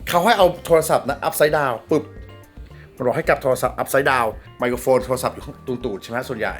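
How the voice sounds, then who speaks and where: A man with a middle-pitched voice hosts a relaxed gadget review. He is excitable and self-mocking, with loose casual swearing. Background music plays clearly under his voice. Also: a little fast. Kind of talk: casual tech review vlog.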